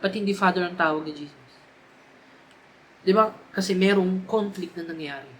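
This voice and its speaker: Young filipino guy preaching to youth, high voice, lots of repeating for emphasis, bit of room noise. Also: moderate pace, a bit bright, rough recording. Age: young adult. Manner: Taglish preaching, rising to emphatic repeated cries. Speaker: youth speaker. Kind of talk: sermon.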